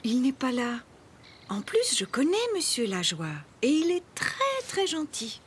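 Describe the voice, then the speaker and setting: A woman voicing a gentle, patient young mother in a children's cartoon, speaking in a soothing, instructive way. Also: high-pitched, huge pitch swings, measured pace, slight background noise, exaggerated voice. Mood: reassuring.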